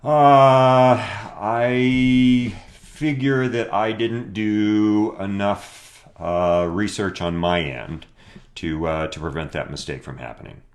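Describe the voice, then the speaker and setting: Deep-voiced man, hesitant and halting. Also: fairly even intonation. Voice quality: deep radio voice. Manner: hesitant, many fillers and restarts. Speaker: guest spouse. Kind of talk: casual conversation.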